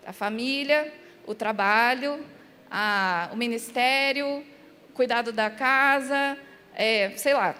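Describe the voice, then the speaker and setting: A Brazilian woman pastor preaching a sermon and telling a personal story, animated and acting out the scenes and dialogue as she goes. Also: on the high side, slow, clean tone. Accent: Brazilian Portuguese. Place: large church hall. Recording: music under a long hall reverb.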